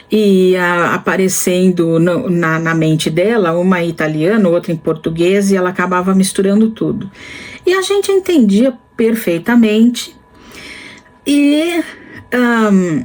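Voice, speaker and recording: A woman in her fifties from Brazil talks to camera in a relaxed, reflective vlog. She speaks slowly and deliberately, pausing often and restarting her phrases as she thinks. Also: medium pitch. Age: 50s. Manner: slow and deliberate, with many pauses and restarts. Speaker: vlogger. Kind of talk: casual reflective talk to camera.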